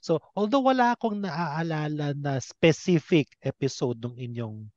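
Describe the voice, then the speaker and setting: A man's voice: on the high side, expressive, unhurried, darkish tone, no room sound. A Filipino man interviewing casually, polite and deferential, feeling his way through questions and mixing in English, in slightly muffled sound.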